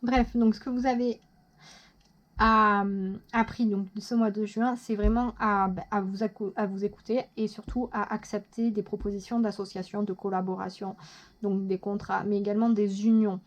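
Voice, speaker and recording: A woman giving a casual monthly tarot horoscope reading, chatty, excitable and quick to poke fun at herself. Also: medium pitch. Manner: chatty, self-mocking, excitable. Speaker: tarot reader.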